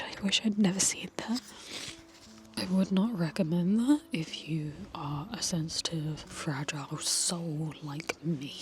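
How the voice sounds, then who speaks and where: A woman whispering softly and tenderly as she talks to her viewers, recorded outdoors in a garden. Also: mid-range voice. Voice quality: soft unvoiced whisper. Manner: gentle, tender, reflective. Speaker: video creator. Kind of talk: whispered ASMR-style personal talk. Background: faint outdoor ambience with bees.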